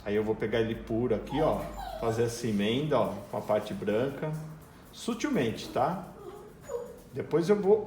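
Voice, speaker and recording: Chatty Brazilian painting teacher in a garage. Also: male voice, medium pitch, darkish tone, reverberant, slight background noise. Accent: Brazilian Portuguese. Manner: chatty, explains as he works, talks to his dog. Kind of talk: casual step-by-step painting lesson. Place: home garage. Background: dog whining and barking.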